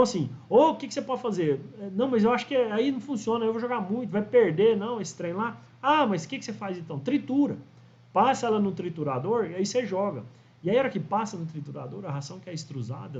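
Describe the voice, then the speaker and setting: A man's voice: sits high, darkish tone. A man, teaching fish farming in a chatty storytelling way, often tagging sentences with "né?". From Brazil. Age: 40s. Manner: chatty storyteller, frequent "né?" tags, acts out quoted voices. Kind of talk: casual instructional talk to camera. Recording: dull lo-fi audio.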